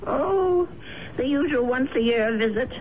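A woman's voice: high-pitched, expressive, takes it slowly. An actress playing a kindly, fussing old landlady in a 1970s radio drama, with a quavering, motherly way of talking. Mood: chatty. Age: older. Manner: chatty, fretful, motherly. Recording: noisy, muffled old radio broadcast.

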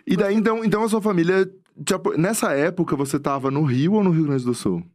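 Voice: mid-range voice, quick pace. A podcast co-host chatting casually and asking follow-up questions. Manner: lively, asks follow-up questions. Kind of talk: casual interview chat. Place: podcast studio.

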